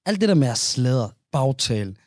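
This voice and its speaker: Relaxed halting man, dry close sound. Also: mid-range voice, dry recording. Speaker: podcast co-host. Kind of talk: casual chat.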